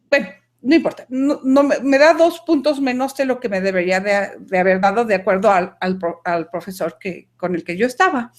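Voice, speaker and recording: A woman from Mexico and Denmark telling a personal story over a video call, animated and emphatic, often correcting herself mid-sentence. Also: on the high side.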